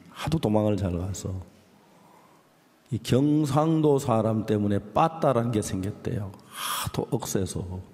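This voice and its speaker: Older pastor with a Gyeongsang accent. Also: male voice, fairly low pitch, lively intonation, slow, darkish tone, big-room sound. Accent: Gyeongsang Korean. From Gyeongsang region, South Korea. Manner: folksy, joking storyteller. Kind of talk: sermon with scripture reading.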